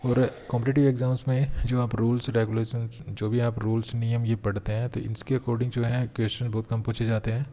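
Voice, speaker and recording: Mellow-voiced man teaching a grammar lesson. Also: medium pitch, level tone. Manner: explains step by step, slows down to read example sentences aloud. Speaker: English teacher. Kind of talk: exam-prep grammar lesson.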